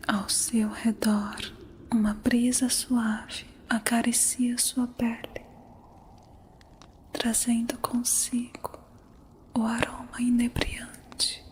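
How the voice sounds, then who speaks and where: A woman narrating an ASMR guided meditation in a soothing, unhurried manner. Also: a little high. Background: music.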